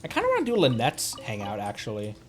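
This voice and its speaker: A man's voice: medium pitch, huge pitch swings, fast talker, soft background music. A man chatting casually on a live game stream, thinking aloud in a rambling way with silly little interjections. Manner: playful, silly interjections and nonsense words.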